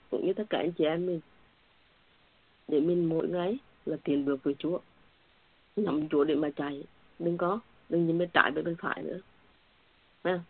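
A woman with a deep, breathy-edged voice gives her testimony of faith to fellow believers. As a church member she speaks earnestly and somewhat repetitively, sometimes emotionally, and the sound comes over a tinny phone-like line.

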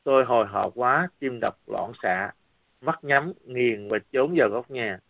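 Gravelly-voiced man preaching over tinny line. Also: mid-range voice, measured pace. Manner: lively storytelling, acting out dialogue. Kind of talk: sermon storytelling. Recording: dry, tinny phone-like sound.

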